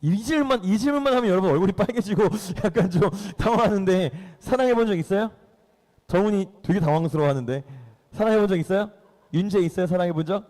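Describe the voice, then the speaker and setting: A man's voice: high-pitched, fast, darkish tone, long reverb tail. A man teaching children a Bible lesson in a church, playfully quizzing them as he goes. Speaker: youth pastor teaching children. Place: church hall.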